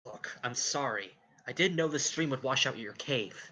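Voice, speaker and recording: A man's voice: mid-range voice, lively intonation, normal speed, sharp tone. A man voicing an earnest, protective young male dragon in a cartoon audio drama. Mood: apologetic.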